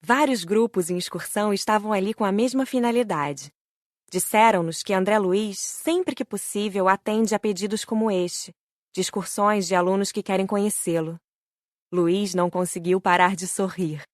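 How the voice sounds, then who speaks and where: Brazilian lady reading a spiritual audiobook, calm admiring tone, mid pitch, dry close mic. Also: moderate pace, no echo. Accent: Brazilian Portuguese. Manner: gentle, admiring, steady reading. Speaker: audiobook narrator. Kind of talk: scripted first-person narration of a spiritual book.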